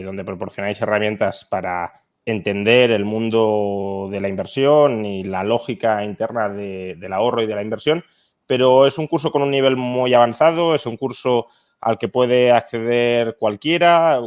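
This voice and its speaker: Man moderating a panel with questions. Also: lowish voice. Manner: asks questions, reads out comments. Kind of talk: hosting a panel talk.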